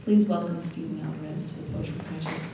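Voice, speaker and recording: A woman host reading an introduction for a poet at a live event in a measured, even way. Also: low voice, a loud crowd. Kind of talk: read introduction. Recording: roomy hall from a distance, faint noise.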